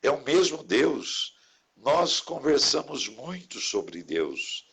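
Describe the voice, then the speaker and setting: A man's voice: mid-range voice, very animated, takes it slowly, gravelly, breathy edge. A man who is a Catholic priest, chatting reflectively and often turning to caring for one another. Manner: warm, reflective, preachy asides about caring for others. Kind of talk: casual conversation in a live stream.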